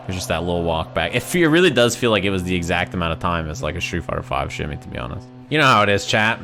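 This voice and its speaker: A man's voice: sits low, big pitch swings, fast, gravelly, sharp tone, faint music behind. A man giving casual, conversational fighting game commentary on a livestream, repeating phrases for emphasis and often checking in with "right?".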